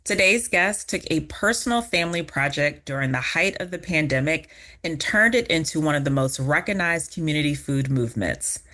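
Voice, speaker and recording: A woman's voice: sits low, lively intonation, moderate pace, pushed and bright. A woman hosting a podcast, reading a scripted intro and then chatting casually with her guest in an upbeat way. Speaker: podcast host.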